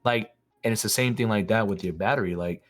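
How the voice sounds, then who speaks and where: A man co-hosts a podcast and talks quickly in a relaxed, conversational way. He often checks in with "you know what I'm saying" as he explains his point. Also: on the low side. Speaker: podcast co-host; father of three girls. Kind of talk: casual podcast chat.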